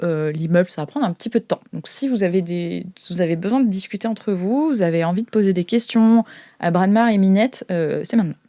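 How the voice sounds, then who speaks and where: Woman game master making it up as she goes, lowish soft-edged voice, really dry sound. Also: a little fast, no room sound. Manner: hesitant, improvising as she narrates. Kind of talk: improvised tabletop game narration.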